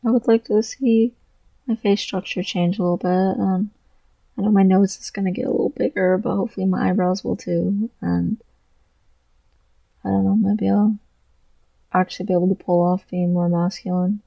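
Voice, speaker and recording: A trans man talking through his thoughts in a personal vlog, halting and earnest, with a voice he describes as deeper than most girls'. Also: flat delivery, mellow, no room sound, rough recording. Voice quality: low voice with gravelly fry. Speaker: vlogger.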